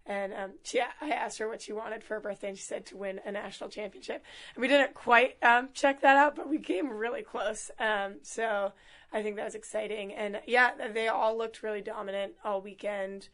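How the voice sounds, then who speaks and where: Hoarse young woman, upbeat and chatty. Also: mid-range voice, steady tone, normal speed, a bit bright. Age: young adult. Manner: upbeat, laughs often, many fillers. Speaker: student athlete, team captain. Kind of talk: casual interview.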